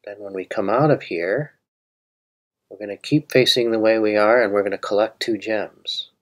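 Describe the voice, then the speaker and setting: A man's voice: lowish voice, fairly even intonation, normal speed. A man walking through a coding puzzle on screen, thinking aloud with fillers and restarts. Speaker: coding tutor. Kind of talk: screen-recorded coding walkthrough.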